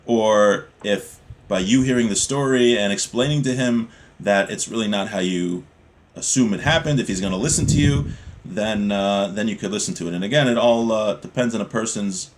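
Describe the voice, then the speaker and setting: Calm man explaining Jewish law. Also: lowish voice, normal speed. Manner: calm, explanatory, repeats points for clarity. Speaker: Torah teacher. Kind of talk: text study class, reading Hebrew then explaining in English.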